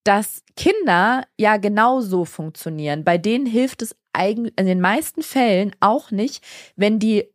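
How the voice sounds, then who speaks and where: A woman's voice: medium pitch, lively intonation, measured pace, dry recording. Woman, thirties, podcast co-host, earnest, reflective, casual chat, dry close mic. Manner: earnest, reflective, talks at length with many restarts. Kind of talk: casual conversation.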